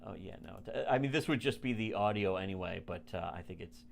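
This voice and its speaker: A man's voice: on the low side, fast talker, creaky, slight background noise. A man co-hosting a podcast in crude casual banter, rambling and profane with frequent restarts. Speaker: podcast co-host.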